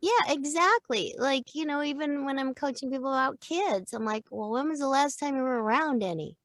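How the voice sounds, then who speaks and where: A middle-aged woman, a voice actor and acting coach, chatting in an interview in a lively way and laughing easily. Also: high voice, normal speed, no echo, studio quality. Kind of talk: casual interview chat.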